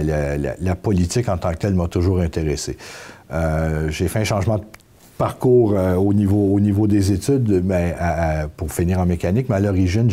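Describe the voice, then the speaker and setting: A middle-aged man with a Quebec French accent, answering interview questions conversationally and haltingly, repeating words as he explains. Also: deep voice, warm tone. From Canada (Quebec), Belgian-born. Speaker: town mayor being interviewed. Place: council room.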